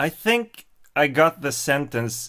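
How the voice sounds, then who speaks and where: In a Swedish accent, a man speaks at a very slow pace. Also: very clean recording, silent background. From Sweden, Stockholm. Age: 20s. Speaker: live streamer. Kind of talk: casual chat. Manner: halting.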